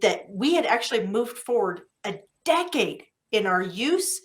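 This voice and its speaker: A woman's voice: mid-range voice, very animated, unhurried. A woman from the United States hosting a podcast interview, chatty and enthusiastic. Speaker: podcast host.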